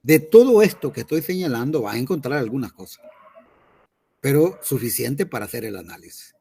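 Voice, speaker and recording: A man's voice: medium pitch, expressive, fairly quick, gravelly, dark tone, slightly rough. A man, a teacher lecturing his class in an online lesson, explaining patiently and often checking in with his students.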